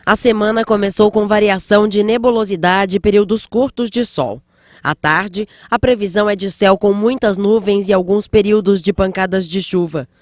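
A woman's voice: medium pitch, moderate pace, a little mellow, no room sound. Woman reading weather, dry voice. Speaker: news presenter. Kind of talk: read news and weather. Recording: dry voice-over with faint music.

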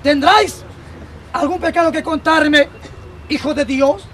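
A man's voice: extremely high pitch, a little slow, a bit bright. A man voicing a solemn village priest who questions formally and preachily. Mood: preachy. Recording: outdoor street crowd noise.

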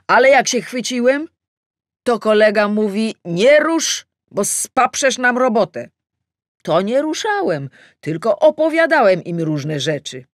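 Woman voicing a chatty, tipsy middle-aged man, unhurried. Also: fairly high pitch, dry recording, studio quality, exaggerated voice. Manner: rambling, folksy storytelling. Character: chatty, tipsy, boastful middle-aged Polish man reminiscing about working abroad.

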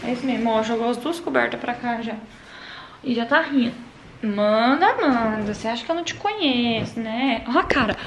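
A woman vlogging casually to her viewers from a bedroom at night, talking in a chatty way that often drops to a hushed murmur. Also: fairly high pitch, lively intonation, moderate pace, reverberant, slight background noise. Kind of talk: casual vlog chat to viewers.

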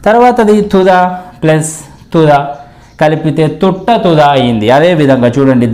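A man's voice: on the high side, a little mellow. A male teacher explaining a grammar rule step by step, asking questions and answering them himself.

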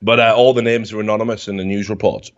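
A man, swearing freely and telling a story loudly in a casual chat, on a headset mic. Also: lowish voice, fast talker, muffled recording. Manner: profane, animated storytelling, gets loud when worked up. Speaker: podcast host. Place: home room, indoors. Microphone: headset with desk mic.

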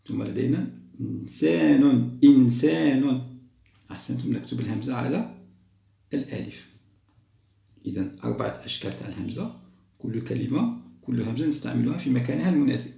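A man teaching a lesson for young children, stretching out each model word slowly and then moving on quickly. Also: mid-range voice, animated, gravelly, mellow. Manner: slow, drawn-out model words, then quick asides. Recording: roomy echo.

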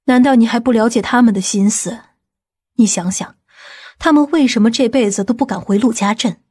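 A woman playing a stern, commanding woman from a powerful family in an audiobook drama, speaking gravely and deliberately. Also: fairly high pitch, darkish tone. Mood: grave, persuading.

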